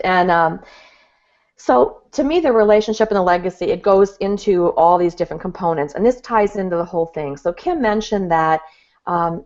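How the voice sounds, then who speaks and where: A woman relationship coach giving a gentle, earnest teaching talk with examples. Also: lowish voice. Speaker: guest expert, relationship coach. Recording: dull lo-fi audio.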